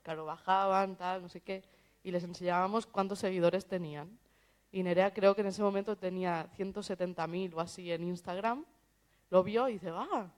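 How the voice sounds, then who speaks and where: A woman's voice: fairly low pitch, steady tone, normal speed. A woman chats on a festival stage panel about her work running social media. She talks easily and tells anecdotes, slipping into the voices of the people she quotes. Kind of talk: casual panel conversation.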